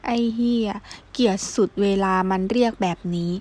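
A woman calmly reading first-person novel narration for an audiobook. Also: mid-range voice, moderate pace. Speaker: audiobook reader.

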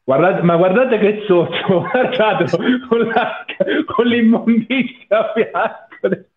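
A man's voice: sits high, slow pace, slight background noise. A man giving casual live commentary as a panelist on an anime watch-along, often repeating phrases for emphasis. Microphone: video call. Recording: muffled narrow-band video call audio.

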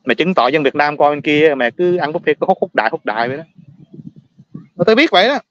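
A man's voice: on the high side, big pitch swings, fast talker, fairly bright tone, dry recording, lo-fi sound. A man from Vietnam with a Southern Vietnamese accent, talking casually and bluntly to his viewers, ranting, repeating words and laughing often.

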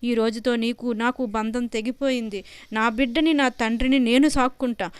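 An enraged grown son shouts and denounces his wife, his voice smooth and fairly high, as a woman voices him in a storybook. It is recorded close and dry. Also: normal speed, no echo, lightly acted. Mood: furious. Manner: furious shouting, then remorseful. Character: angry, grief-stricken grown son.

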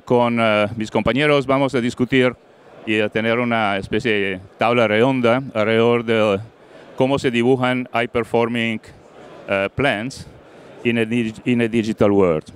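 A middle-aged man from Colombia presenting on a conference stage into a handheld mic, halting often with fillers and slipping into English words. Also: medium pitch, steady tone, clean tone. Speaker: panel moderator. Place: large event stage.

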